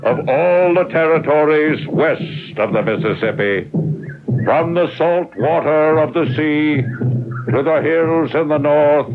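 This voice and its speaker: An actor playing a shrewd, educated tribal chief with a formal, deliberate, stately manner in an old-time radio drama. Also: male voice, on the high side. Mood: solemn, proclaiming. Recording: tinny narrow-band radio recording with music.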